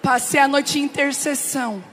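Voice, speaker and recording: A woman's voice: high-pitched, moderate pace, slight background noise. A middle-aged woman pastor, preaching through a personal story and speaking straight to the audience. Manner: emotional, laughing and crying as she tells the story; talks directly to the audience, very animated.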